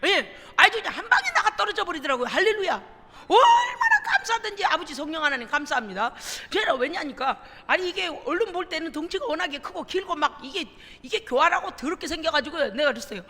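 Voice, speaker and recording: Woman pastor, emphatic sermon, very high voice, bright and sharp, long church-hall reverb. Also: sing-song, fast. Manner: emphatic, asks congregation for responses. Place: church sanctuary.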